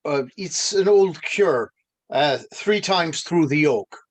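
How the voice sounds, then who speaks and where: A man at a table read playing a kindly villager in his thirties who haltingly searches for words. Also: fairly high pitch, expressive. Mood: halting, helpful.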